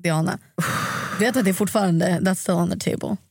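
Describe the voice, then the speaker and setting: A lively young woman talks on a podcast and keeps quoting herself with growing excitement. The recording is dry and close, with no echo. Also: fairly low pitch, gravelly, slightly rough. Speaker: podcast co-host. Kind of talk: casual podcast chat.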